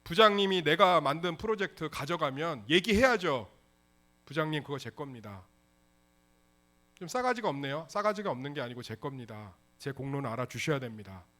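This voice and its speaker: A male pastor preaching an animated sermon, often acting out little dialogues. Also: a little high, fairly quick, hardly any pauses. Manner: animated, acts out dialogues in voices.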